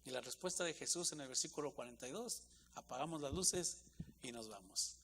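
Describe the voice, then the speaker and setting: A man's voice: medium pitch, animated, brisk, fairly bright tone, a little hiss or hum. A man preaching a sermon as pastor, repeating key phrases for emphasis and building intensity as he acts out quoted speakers.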